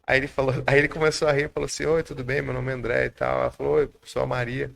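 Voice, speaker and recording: A man's voice: medium pitch, very fast, vocal fry. A man with a Brazilian Portuguese accent telling a childhood story as a podcast guest, acting out the voices of the people in it. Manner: animated storyteller, acts out quoted dialogue.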